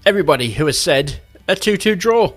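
A man's voice: a little high, expressive, a little fast, faint music behind. A man presenting a local radio sport slot, chatty and teasing, with plenty of ums and restarts. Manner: chatty, teasing, loose with fillers. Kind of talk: hosting a football predictions segment.

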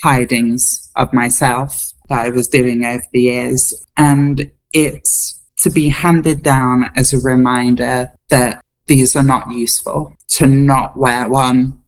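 Female interview guest, unhurried pace, earnest, reflective, conversational. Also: extremely low pitch, little pitch movement, low-quality recording. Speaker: interview guest, comedy performer.

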